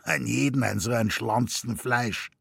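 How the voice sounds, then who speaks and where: A laconic, gruff Bavarian husband with dry remarks, as the male reader does him. The voice is husky and unhurried, close and dry. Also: mid-range voice, dry recording, exaggerated voice.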